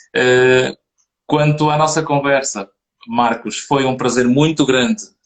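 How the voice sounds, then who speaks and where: A man with a European Portuguese accent, at a fairly slow pace with fairly even intonation. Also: very even loudness. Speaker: psychologist and live-show host. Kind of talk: live-stream interview wrap-up. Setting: Instagram live video call.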